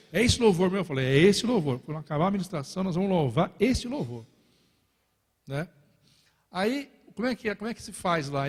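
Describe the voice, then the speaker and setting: A man's voice: high-pitched, long reverb tail. A Brazilian man preaching in a church, with a Brazilian Portuguese accent, telling stories playfully and often calling out to the brothers in the congregation. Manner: lively, joking storytelling with repeated "irmãos" asides. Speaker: pastor. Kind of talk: sermon. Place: large church hall.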